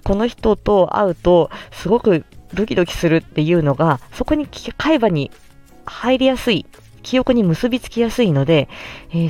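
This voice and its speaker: A woman speech therapist hosting a solo podcast, explaining gently with many pauses and fillers. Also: medium pitch.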